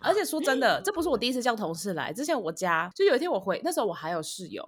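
A young woman tells chatty stories with a lot of expression, her pitch swinging widely. She talks quickly and drops jokes into the conversation as it goes. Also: big pitch swings, husky. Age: young adult. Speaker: podcast co-host. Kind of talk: casual storytelling chat.

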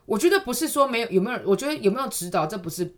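A woman's voice: fairly high pitch, big pitch swings, very fast. A woman with a Taiwanese accent giving casual conversational advice in an explanatory, emphatic way, often repeating phrases for emphasis.

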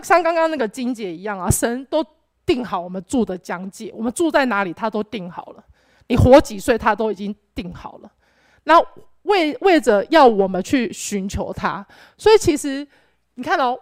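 A woman's voice: on the high side, no echo. A young woman gives an earnest personal testimony at church, rambling with restarts and fillers. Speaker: church member giving testimony.

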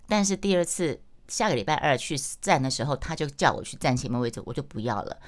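A woman's voice: very deep voice, expressive, quick pace. A middle-aged woman, hosting a livestream. She tells stories in casual chat, acts out the dialogue in changing voices and pokes fun at herself. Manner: self-mocking, chatty. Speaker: livestream host.

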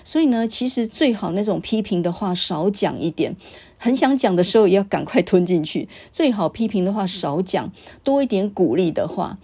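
Husky Taiwanese-accented woman telling stories. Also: mid-range voice, animated, normal speed. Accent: Taiwanese Mandarin. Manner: storytelling, quoting her father's sharp remarks. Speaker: podcast host. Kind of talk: reflective monologue.

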